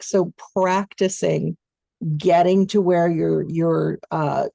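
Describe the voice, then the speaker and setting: Female voice-over coach, low mellow gravelly tone, dry close mic, conversational teaching. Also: no room sound. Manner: instructive, conversational, steady explanations with fillers. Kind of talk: online training webinar.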